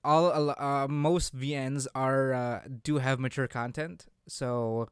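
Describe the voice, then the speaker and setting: A young man with a mid-pitched, clean and smooth voice, recorded dry. He chats informally as a gaming co-host. His delivery is halting, and he often repeats his words as he goes. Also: steady tone, no echo. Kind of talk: casual unscripted chat.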